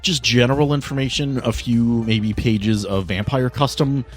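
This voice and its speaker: A man's voice: medium pitch, steady tone, moderate pace, faint music behind. A man acting as game master of a tabletop game, explaining things in a casual, conversational way.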